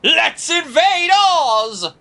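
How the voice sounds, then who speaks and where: A man playing a bombastic warmongering general who declaims to his troops in an amateur audio drama. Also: extremely high pitch, very animated, very slow, background noise, heavily acted.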